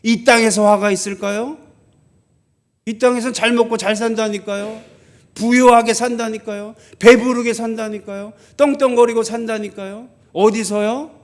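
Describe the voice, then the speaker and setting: A male pastor preaching a sermon, asking rhetorical questions and answering them himself, repeating lines for emphasis, at times dropping to a soft plea. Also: steady tone, normal speed. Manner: drops to a soft, low voice for pleading.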